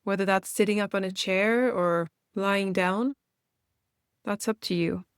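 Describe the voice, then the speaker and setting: A woman leads a guided meditation with a gentle, instructional delivery. Her voice sits at an average female pitch and is recorded very dry, with little room sound. She is reassuring and leaves unhurried space between her phrases. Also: steady tone, smooth, no room sound.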